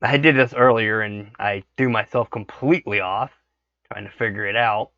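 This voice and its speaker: A man with a hoarse voice from a cold, talking through a software tutorial casually and checking in with "okay" as he works. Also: on the low side, moderate pace, no echo. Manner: thinks aloud, frequent "okay" checks. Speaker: 3D modeling tutorial host. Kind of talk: casual screen-recorded tutorial. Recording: dry, dull lo-fi mic.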